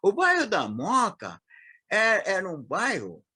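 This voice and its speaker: A man in his eighties with a São Paulo accent, reminiscing as an interview guest, talking haltingly with frequent restarts and fillers. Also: high voice, huge pitch swings, pushed and bright, slightly rough, no echo, studio quality. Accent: Paulistano Brazilian Portuguese. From São Paulo, Brazil. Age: 80s.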